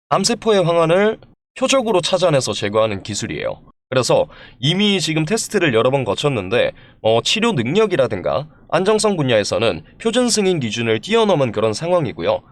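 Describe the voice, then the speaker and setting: A man hosting stock analysis commentary, explaining to viewers in a polite, formal way with a voice congested by a throat and head cold. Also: mid-range voice. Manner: polite, formal presenter address. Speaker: stock analysis channel host.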